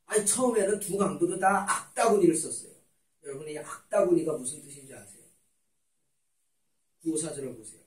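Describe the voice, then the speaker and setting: A male pastor delivers an animated sermon, moving between loud emphasis and soft asides. His voice is high and very lively in pitch. He is picked up from a distance in an echoey church hall. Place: church sanctuary.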